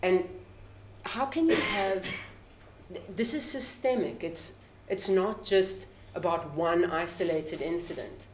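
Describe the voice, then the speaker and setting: A woman's voice: on the low side, slow, slight background noise. A middle-aged woman from South Africa with a South African accent, speaking emphatically as an activist on a press conference panel. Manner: impassioned, emphatic. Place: press club conference room. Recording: echoey room.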